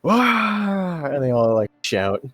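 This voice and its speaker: A man's voice: mid-range voice, expressive, moderate pace, no echo. A man running a tabletop game as game master, improvising narration and often searching for his words.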